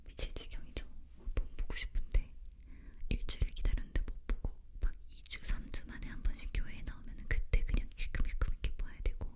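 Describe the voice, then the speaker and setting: A woman leaning in to whisper an ASMR story in a breathy, unvoiced voice, very close to the microphone. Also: fast talker. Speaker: ASMR creator telling a personal story.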